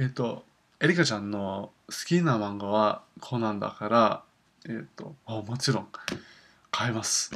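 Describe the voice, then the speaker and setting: In an English accent, a man speaks at a moderate pace with ordinary pitch variation. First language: English (speaking Japanese). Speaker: language learner vlogger; Japanese learner vlogger. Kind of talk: casual video diary. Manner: halting, many fillers. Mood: cheerful, smiling. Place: home room. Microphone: webcam.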